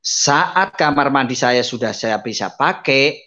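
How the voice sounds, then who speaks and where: A blind man tells his personal testimony in an emotional, storytelling way, speaking straight to his listeners. His voice sits at an ordinary middle pitch for a man, and the recording sounds a little dull and lo-fi. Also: lively intonation, unhurried. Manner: addresses listeners as "saudara", dramatic drops to soft asides; acts out quoted voices with raised pitch. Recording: slightly dull lo-fi audio.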